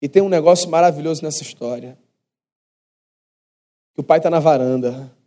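A man's voice: fairly high pitch, normal speed, dark tone. A man with a Brazilian Portuguese accent, preaching a sermon in a conversational storytelling way, slipping into the inner voices of the people in his story.

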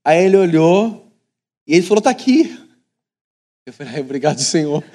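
Brazilian male pastor, 30s, high-pitched, animated sermon storyteller. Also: quick pace. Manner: animated storytelling, acts out voices.

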